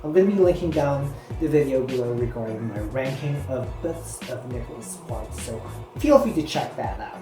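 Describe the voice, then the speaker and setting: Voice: medium pitch, lively intonation, moderate pace, mellow. Chatty book vlogger in echoey room. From Philippines. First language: Filipino. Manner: chatty, rambling, heavy use of "you know" and "like". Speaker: book reviewer. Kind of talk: casual chat to camera. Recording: echoey room with background music.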